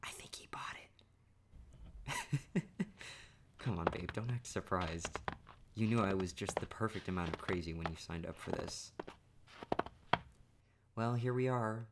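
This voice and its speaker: Low-voiced playful young man. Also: a little slow, pauses often, very noisy. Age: young adult. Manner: playful, teasing, laughing often. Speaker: ASMR roleplay creator. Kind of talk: ASMR boyfriend roleplay.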